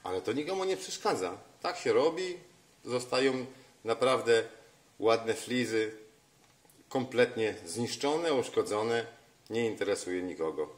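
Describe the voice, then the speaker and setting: A man's voice: medium pitch, expressive, unhurried. A man narrating a walkthrough of a house, complaining with exasperated sarcasm about shoddy repairs, filmed on a phone indoors. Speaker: vlogger.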